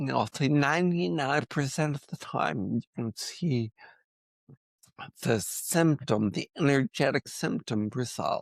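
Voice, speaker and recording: Delivered in a plain, everyday voice, the speech moves at a fairly slow pace with lively intonation and a dry, close sound with no echo. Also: man, fairly high pitch for a man. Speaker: holistic veterinarian and author. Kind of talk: interview.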